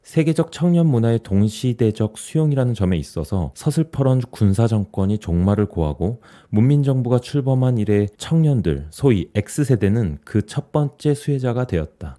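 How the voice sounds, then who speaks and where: A man in his forties hosting his channel and calmly reading an essay aloud in a small home studio. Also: lowish voice. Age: 40s. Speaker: YouTube host. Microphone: studio mic on boom, headphones.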